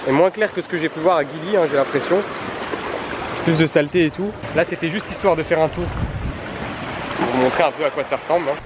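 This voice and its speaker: A man's voice: on the high side, fast, pauses often, noisy background. A young man chatting casually and informally to a travel vlog audience in offhand, slangy speech. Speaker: travel vlogger.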